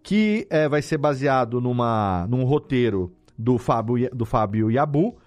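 A Brazilian man talking casually as an interviewed audio editor, explaining things in an animated way with rhetorical questions. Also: mid-range voice, measured pace. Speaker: audio drama editor and podcast guest.

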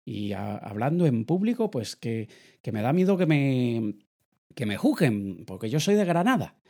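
A man imitating a nervous female client from Granada with a put-on Andalusian accent, speaking in halting, self-deprecating bursts. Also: medium pitch, very animated, mellow. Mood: worried.

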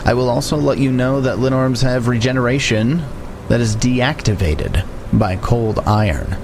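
A man's voice: medium pitch, normal speed, background noise. A man running a tabletop game as game master, narrating scenes and explaining rules.

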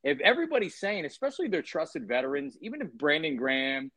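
A man's voice: fairly high pitch, big pitch swings, pushed and bright, no room sound. A man in his fifties, a podcast guest on a remote call, talking casually with frequent restarts and repeated words. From Philadelphia area. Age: 50s. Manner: halting, repeats words, opinionated.

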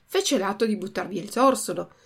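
A woman's voice: mid-range voice, lively intonation, moderate pace, vocal fry, slightly rough. A woman reading a story aloud expressively, then reading out a vocabulary list as a teacher. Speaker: reader and language teacher.

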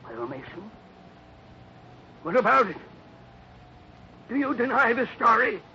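A man's voice: extremely high pitch, very animated, measured pace, sharp tone, exaggerated voice. A man playing a bitter, vengeful father, menacing and insistent, in an old-time radio western drama. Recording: dull, faintly noisy old radio recording.

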